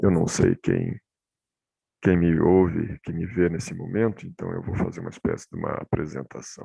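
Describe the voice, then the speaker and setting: The dark, mellow tone comes through a dry, close sound with no echo, at a moderate pace, with big swings in loudness and ordinary pitch variation. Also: man, very deep, low pitch for a man. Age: 40s. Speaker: physician and lay preacher. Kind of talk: sermon. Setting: online virtual church session.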